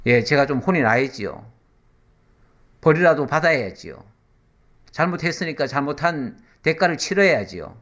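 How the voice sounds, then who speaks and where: A man preaching a sermon in a conversational teaching manner. His voice sits a little high and swings widely in pitch. He acts out quoted lines and puts questions straight to his listeners. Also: sing-song, moderate pace, long pauses, fairly bright tone. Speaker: pastor.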